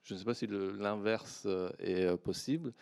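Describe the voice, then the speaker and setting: Low smooth voice, man on an academic panel, persian native, lots of hesitations, dry sound. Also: a little mellow, no echo. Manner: measured, hesitant with many fillers and restarts. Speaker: panelist historian. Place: conference hall.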